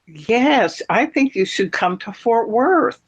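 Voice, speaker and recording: A man's voice: very high-pitched, expressive, slow, breathy edge. A man from Texas, chatting in an opinionated, rambling, emphatic way. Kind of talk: casual chat. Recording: muffled lo-fi sound.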